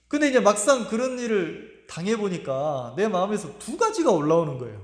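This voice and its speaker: A middle-aged man preaching a sermon, telling a personal story in an earnest, emotional way, pausing and repeating his words. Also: sits high, big pitch swings. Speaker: pastor. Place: church sanctuary. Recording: echoey church hall with long reverb.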